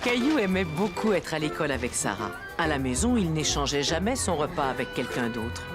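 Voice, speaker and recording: A woman narrating a preschool cartoon like a kindly storyteller, in a gentle, measured storybook manner. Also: deep voice, sing-song. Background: music.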